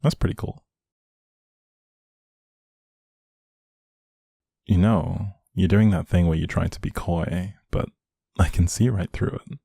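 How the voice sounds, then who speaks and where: A man playing a doting, playfully teasing young boyfriend in an intimate one-sided roleplay, speaking affectionately with a soft, husky voice. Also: fairly even intonation, normal speed, no echo, studio quality, exaggerated voice. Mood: amused, curious. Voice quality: low, soft, husky, creaky.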